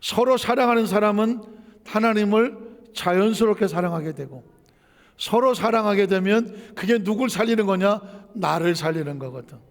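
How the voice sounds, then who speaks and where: A man's voice: sits high, moderate pace, long reverb tail. A male pastor preaching a sermon in a conversational way, asking rhetorical questions, telling a personal story and repeating phrases for emphasis.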